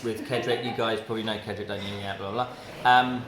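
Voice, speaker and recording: A man's voice: on the low side, fairly even intonation, quick pace. A man interviewing an event organiser, enthusiastic and joking. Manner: enthusiastic, jokey. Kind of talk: casual interview chat. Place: busy reception area at a gaming event. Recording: echoey room with crowd behind.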